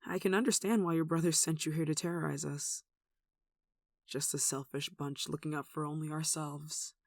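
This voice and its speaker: A performer playing a gentle, protective nun in an ASMR roleplay, speaking in a tender, soothing and wistful way. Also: medium pitch, fairly even intonation, moderate pace, creaky, no echo, lightly acted. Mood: worried, somber. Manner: tender, soothing, wistful, with sighs and soft chuckles. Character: gentle, protective young nun caring for a sick demon. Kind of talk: ASMR roleplay, soft intimate acting.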